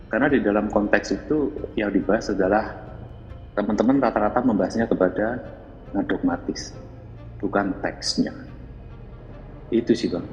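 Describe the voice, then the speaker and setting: A man making measured, formal arguments in an online religious debate. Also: lowish voice, in a large hall, muffled recording. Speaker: debate participant.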